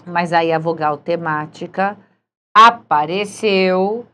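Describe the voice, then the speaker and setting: A woman's voice: on the low side, slow, bright, forceful tone. A woman teaching a recorded grammar lesson, patient and often checking in with her students. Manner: patient, checks in with frequent "certo?".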